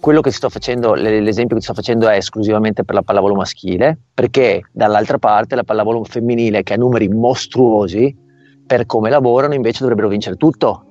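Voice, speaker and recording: A man's voice: fairly low pitch, brisk, darkish tone, dry recording. A middle-aged man, a volleyball coach, speaking over a remote call line in an interview. He explains at length and often checks that the listener has understood. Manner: explanatory, often asks "capito?". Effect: heard over a remote call line. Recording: dull lo-fi call audio, faint music.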